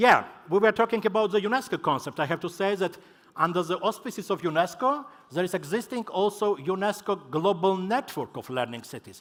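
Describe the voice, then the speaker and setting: On a very clean recording with a silent background, a man with a Georgian accent talks at a fairly quick pace in a high pitch with lively intonation. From Georgia, Tbilisi. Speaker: NGO representative and event moderator. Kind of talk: conference opening speech. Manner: formal.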